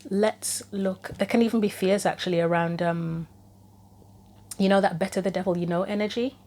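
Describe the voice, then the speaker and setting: A woman's voice: medium pitch, fairly even intonation, normal speed, a little mellow. A woman doing an informal tarot reading, thinking aloud through possibilities, her throat a little troubled and her voice starting to go. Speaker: tarot reader, host of own channel. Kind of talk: casual spoken tarot reading.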